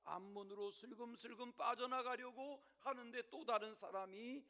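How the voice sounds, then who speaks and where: A man preaching in a church service with a high voice and a gravelly edge. He tells the story dramatically, rising to loud declarations and then dropping to a hushed whisper, and he keeps turning to address the congregation directly. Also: steady tone, moderate pace. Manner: direct repeated appeals to the congregation. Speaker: pastor. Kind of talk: Sunday sermon.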